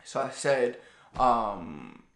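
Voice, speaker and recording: A man in his thirties giving a casual, animated lesson to the camera in a small room. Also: medium pitch, extremely slow, roomy sound. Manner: animated, gestures a lot while talking. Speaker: language teacher. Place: small plain room indoors.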